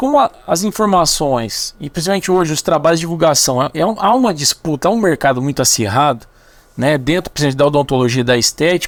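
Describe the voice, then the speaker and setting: Very wide pitch swings mark this man's fairly high voice with a Paraná accent. He talks at a very fast pace, the sound dry and close with no echo. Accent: southern Brazilian (Paraná), mild. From Paraná, southern Brazil. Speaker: dentist. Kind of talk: podcast interview.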